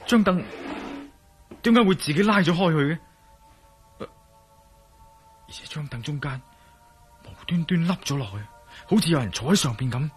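A man's voice: on the high side, animated, moderate pace, pauses often, soft background music, natural voice. An actor in a Cantonese radio drama playing a wry, level-headed adventurer who mutters his thoughts aloud, with a Cantonese accent. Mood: musing. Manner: wry, muttering inner monologue. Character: wry, cool-headed male adventurer hero. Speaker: lead and narrator of his own thoughts.

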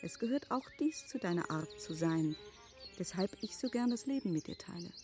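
An actress playing a thoughtful, cautious married gentlewoman in a literary radio drama, speaking in measured, eloquent, formal phrases. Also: on the low side, animated, faint music behind, lightly acted. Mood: gently affectionate. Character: thoughtful, cautious married gentlewoman, yielding yet clear-sighted.

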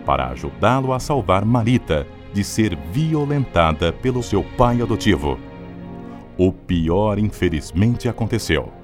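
Radio announcer guy, lowish lively voice, solemn drama recap over clear music.

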